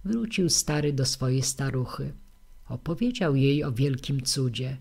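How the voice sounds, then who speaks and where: A woman reading a verse fairy tale aloud as an audiobook narrator, in a measured storytelling manner. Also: very deep voice, lively intonation, creaky, a little mellow. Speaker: audiobook reader.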